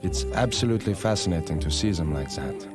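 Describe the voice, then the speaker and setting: Deep male documentary voice-over. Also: lively intonation, quick pace, loud music behind the voice.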